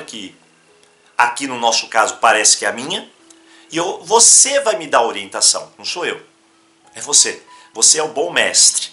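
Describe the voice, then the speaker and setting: A man from Brazil teaching a self-help practice in an emphatic, instructional talk. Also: medium pitch. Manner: animated, emphatic, breaks into demonstrations.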